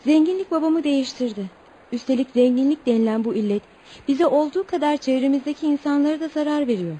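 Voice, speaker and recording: A woman's voice: high voice, fast talker, warm tone, natural voice, rough recording. An actress playing a wistful young tribal woman, a rich man's daughter, speaking earnestly and formally in radio theatre. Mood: troubled, earnest.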